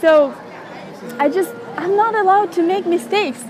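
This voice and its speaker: A woman's voice: very high voice, a little slow, a faint crowd. A young woman from Russia speaking English with a Russian accent, chatting emotionally in an interview. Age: young adult. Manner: emotional, animated, fillers and restarts. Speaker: interviewee, model and blogger. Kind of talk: casual interview chat. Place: outdoors on a city street.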